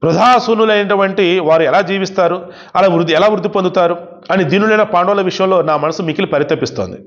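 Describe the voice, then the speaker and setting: Speaking at a quick pace, this man has a high, light voice and a dull, lo-fi recording. He's a devotional storyteller retelling an old epic with casual commentary, reading the verses and then unpacking them in everyday spoken terms.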